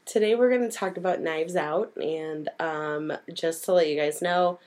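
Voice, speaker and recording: A young woman with a hoarse voice from a cold, co-hosting a casual chat and laughing often. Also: sits low, moderate pace, darkish tone. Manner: giggly, trailing off. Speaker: podcast co-host.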